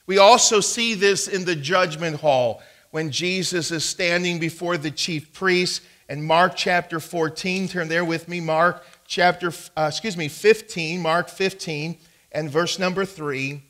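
A man's voice: a little high, fairly bright tone. A man in his thirties preaching a sermon from a church pulpit, reading scripture aloud with earnest emphasis. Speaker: pastor. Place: church sanctuary, indoors. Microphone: pulpit mic, far camera.

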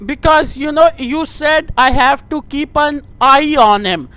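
A man with a South Asian accent and a strikingly high-pitched voice makes a prank call. He talks slowly and haltingly, repeating himself politely. The sound is dry and close. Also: bright, forceful tone, no echo. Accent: South Asian English. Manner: halting, repetitive, deferential. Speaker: prank caller. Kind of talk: staged phone conversation.

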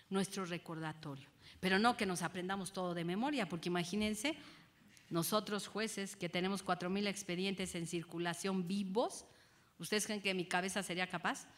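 A woman, a judge giving a lecture to an audience, lively and often asking them rhetorical questions. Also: fairly low pitch. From Mexico.

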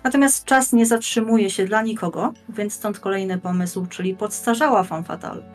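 A woman's voice: mid-range voice, moderate pace, darkish tone. A young woman, a podcast guest presenting prepared ideas in articulate, formal phrasing. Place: indoors, plain-walled room on video call. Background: faint music.

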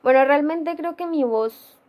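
Chatty young Colombian woman, higher voice. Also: a little slow, lo-fi sound. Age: young adult. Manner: chatty, rambling, laughs often, many fillers. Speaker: gaming YouTuber. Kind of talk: casual Q&A vlog. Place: dim room at home.

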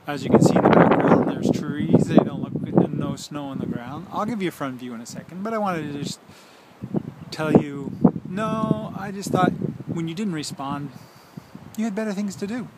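Middle-aged man rambling over loud noise. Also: on the high side, animated. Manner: musing, halting, drifting between thoughts. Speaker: video blogger. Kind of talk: casual rambling monologue to camera. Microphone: handheld smartphone at arm's length.

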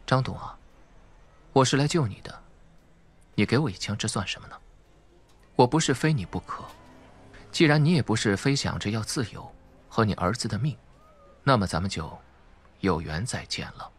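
Man playing a sardonic, husky young tycoon. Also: fairly low pitch, animated, moderate pace, pauses often. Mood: mocking. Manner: sardonic, smooth, taunting. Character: suave, mocking young rich male businessman, unafraid. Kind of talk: audiobook character acting.

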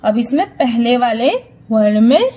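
Slow, high-voiced woman teaching children. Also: animated, dark tone. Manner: slow, patient, asks questions and answers them herself; mixes Hindi with English words. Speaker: primary school Hindi teacher. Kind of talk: children's lesson.

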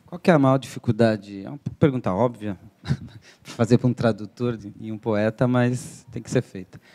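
A man asking a question slowly and with hesitation as an interviewer. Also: medium pitch, a little mellow. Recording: from across a hall with long reverb.

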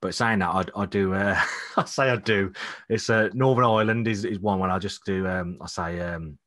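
A man with a Black Country accent hosts a casual podcast interview, enthusiastic and encouraging. His voice is bright and forceful and sits fairly low. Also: moderate pace. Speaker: podcast host.

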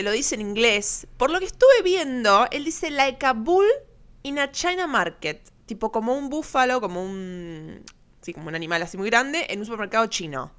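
A woman's voice: fairly high pitch, bright, forceful tone. A woman with an Argentine accent casually commenting on viral clips as host, chatty and sarcastic, often laughing. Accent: Argentine Spanish.

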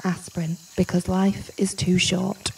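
A woman's voice: on the low side, level tone, measured pace, creaky, a little mellow, distant mic, a little hiss or hum, rough recording. A woman playing an aggrieved, hungover working-class wife in a comic advert monologue, plaintive and colloquial.

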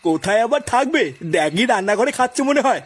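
A man's voice: very high voice, animated, fast talker, no room sound. A man voicing a grumbling, scolding old village grandfather in an amateur comedy cartoon. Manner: scolding, exasperated.

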